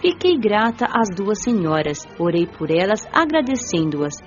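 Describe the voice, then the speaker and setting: Actress as young spirit lady telling her afterlife story, thoughtful, animated intonation, music under, bit lo-fi. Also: medium pitch. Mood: reflective, serene. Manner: measured, reflective storytelling. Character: gentle, devout young female spirit recounting her afterlife. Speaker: narrator and lead of an audio drama. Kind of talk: scripted radio drama narration.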